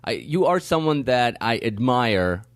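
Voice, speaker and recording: A man's voice: medium pitch, sing-song, measured pace, no room sound. A man hosting a casual podcast, asking curious questions and teasing his guest. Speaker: podcast host interviewer.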